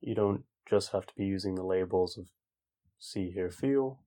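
A man leading a guided meditation in a calm, informal way, speaking gently spaced instructions with long pauses. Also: sits low. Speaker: meditation teacher. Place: online group session over video call.

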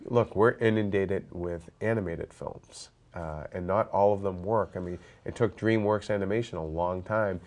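A man's voice: sits low, moderate pace, few pauses, a little mellow. A stuffed-up man hosting a movie podcast, chatting casually and joking around with lots of fillers. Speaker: podcast host. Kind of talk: casual roundtable chat.

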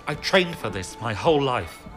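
An actor playing a proud young military officer with a pointed way of talking in a science fiction audio drama. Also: male voice, mid-range voice, sing-song, normal speed, fairly bright tone. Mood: resentful, hurt. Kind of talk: dramatic acting. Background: music.

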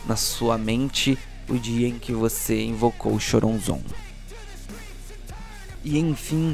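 A man working as game master, narrating a dark tabletop roleplay session with dramatic weight. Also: medium pitch.

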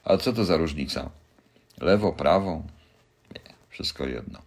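A man's voice: rumbling low, lively intonation, unhurried, creaky. An older man hosting a casual live chat, rambling and joking as he answers viewers' questions. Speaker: livestream host answering viewers.

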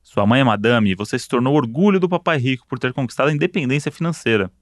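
A man's voice: mid-range voice, animated, fast talker, no echo, clean studio sound. A man co-hosting a casual chat, reading out quiz options and joking around playfully. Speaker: podcast co-host.

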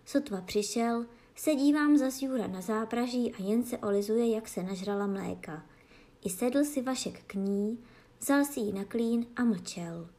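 A woman reads a fairy tale aloud as a bedtime story. Her voice is fairly high, gentle and expressive, made for lulling children to sleep.

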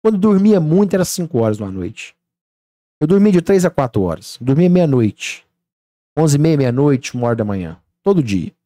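A man's voice: on the high side, moderate pace, no echo, studio quality. A man, a podcast guest telling stories and acting out what people said. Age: 30s. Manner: animated storytelling, acts out dialogue. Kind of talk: casual podcast chat.

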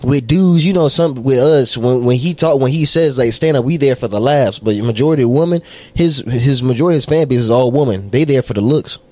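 A man's voice: medium pitch, a little fast, few pauses, dark tone, no room sound. A young man co-hosting a podcast, telling rambling, profane stories in a casual chat. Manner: rambling, profane storytelling with laughs. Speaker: podcast co-host.

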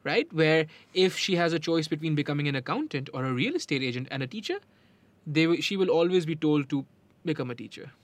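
A man's voice: fairly high pitch, expressive, a little fast, no echo. A man with a South Asian accent explaining things casually and didactically, switching between Hindi-Urdu and English and checking in with rhetorical questions. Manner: mixes Hindi-Urdu and English mid-sentence. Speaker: podcast host.

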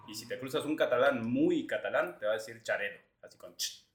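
A man's voice: mid-range voice, brisk, roomy sound, slight background noise. A man with an Argentine accent, a sommelier guest patiently explaining grape names with many filler sounds. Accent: Argentine Spanish.

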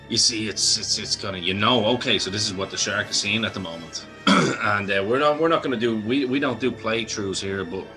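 A man's voice: sits low, low-quality recording. A man hosting a horror film podcast, chatting casually, swearing and laughing easily. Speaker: podcast host.

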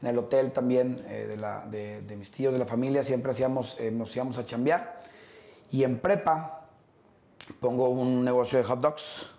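A middle-aged Mexican man, a guest in a casual interview, speaks at a normal speed in a creaky, middle-register voice. His stories ramble along in a relaxed way, full of fillers and restarts. The room around him echoes.

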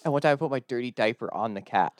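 A young man with a Canadian accent riffs jokes as a podcast guest, his pitch swinging up and down as he talks. The sound is dry and close-miked. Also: quick pace, no echo. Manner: jokey, riffing, animated. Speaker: comedian guest. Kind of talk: casual chat.

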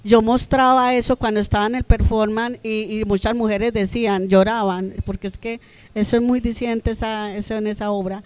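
A woman, a podcast guest, telling her own story in an animated, conversational way. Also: on the high side, normal speed. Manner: animated, acts out quoted voices.

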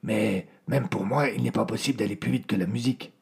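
A man voicing a steady old sailor who talks with calm, wry reassurance. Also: on the low side, a little fast, creaky, husky, heavily acted.

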